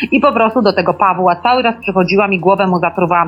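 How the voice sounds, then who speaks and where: Very fast and fairly even in intonation, a woman speaks at a medium pitch. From Poland, Wrocław. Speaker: clairvoyant. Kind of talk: interview.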